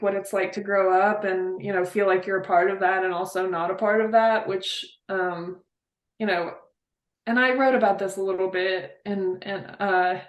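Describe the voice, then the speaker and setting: Heartfelt woman in a roomy space. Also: medium pitch. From Appalachia, West Virginia. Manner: heartfelt, rambling, many fillers. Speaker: guest. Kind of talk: casual interview chat.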